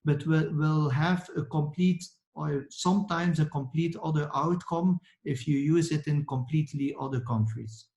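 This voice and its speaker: Halting man, slightly high voice. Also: darkish tone, roomy sound. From Belgium. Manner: halting, many restarts and fillers, searching for words. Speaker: architect guest speaker. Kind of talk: lecture Q&A answer.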